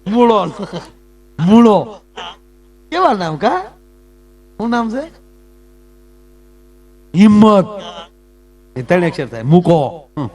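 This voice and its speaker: A man's voice: high-pitched, huge pitch swings, moderate pace. A man performing folk comedy talk on stage, teasing the audience and jumping between jokes and asides.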